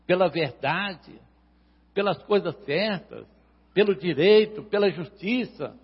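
Husky-voiced Brazilian preacher in an echoing hall. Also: male voice, high voice, expressive, takes it slowly. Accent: Brazilian Portuguese. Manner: preaching, addressing congregation members by name, rising to loud prophetic passages. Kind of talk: sermon. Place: church. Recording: reverberant church hall, dull lo-fi sound.

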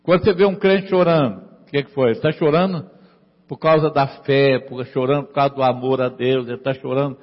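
A man's voice: mid-range voice, steady tone, brisk, big-room sound, dull audio. A man preaching a sermon in a church. He repeats his lines for emphasis and keeps asking the congregation "amen?". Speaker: pastor.

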